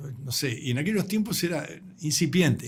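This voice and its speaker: A somewhat breathy man at a fairly slow pace. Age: 70s. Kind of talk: testimony. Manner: halting.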